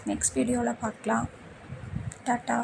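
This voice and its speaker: A woman's voice: fairly high pitch, level tone, normal speed. A woman narrating a vlog voice-over in a polite, explanatory way. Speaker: small-business designer, vlogger. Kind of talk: scripted-sounding vlog voice-over. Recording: clearly noisy home-made recording.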